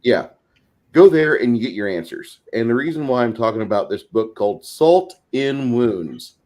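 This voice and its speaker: A man's voice: medium pitch, animated, normal speed, a little mellow. A man casually explaining ideas as host of a tabletop gaming discussion, in a rambling, recommending way.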